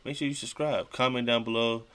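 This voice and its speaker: A man's voice: medium pitch, fairly even intonation, a little fast, fairly bright tone, smooth. A young man giving casual, slangy reaction commentary at home, repeating phrases for emphasis. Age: young adult. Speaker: reaction video host. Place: small room at home, indoors, seated at desk.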